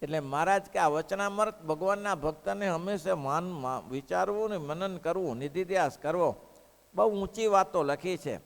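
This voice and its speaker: A man preaching a devotional sermon, telling a story in an animated way and putting questions to the listeners. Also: high voice, moderate pace, creaky. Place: hall of a religious school. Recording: echoey hall.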